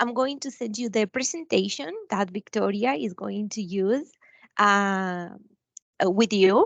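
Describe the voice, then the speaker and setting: At a fairly slow pace, a woman with a Uruguayan accent speaks at medium pitch with ordinary pitch variation. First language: Spanish. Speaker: webinar host. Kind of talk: webinar presentation. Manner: halting, with fillers.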